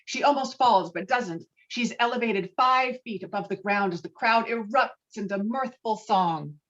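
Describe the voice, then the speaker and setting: A woman's voice: mid-range voice, a little slow, fairly bright tone. A lo-fi, slightly muffled online recording of a woman narrator. She reads film stage directions in a mid-range voice, as scripted narration at a table read. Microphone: online call microphone.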